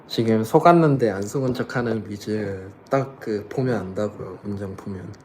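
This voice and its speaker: A man's voice: on the low side, moderate pace, a little mellow, slight background noise. A young man casually chatting with fans on a livestream, laughing often and answering comments. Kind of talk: casual live chat reading comments.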